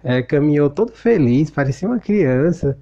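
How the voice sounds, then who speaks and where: A Brazilian man voicing a calm, serious older male mentor in a measured way, with a Brazilian Portuguese accent. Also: fairly high pitch, lo-fi sound. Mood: gently ironic.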